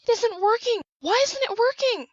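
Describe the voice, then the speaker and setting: A flustered, impulsive young woman played by a woman in an audio drama. Her voice sits very high, and the recording is dry but dull and lo-fi. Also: lively intonation, moderate pace, no echo. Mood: alarmed. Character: flustered, impulsive 24-year-old woman with a new gadget. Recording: muffled, lo-fi home recording.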